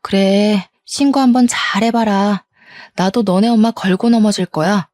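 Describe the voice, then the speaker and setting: A woman's voice: medium pitch, unhurried, darkish tone, no room sound, lightly acted. A woman doing a sneering husband. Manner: mocking. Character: sneering young husband, a mama's boy.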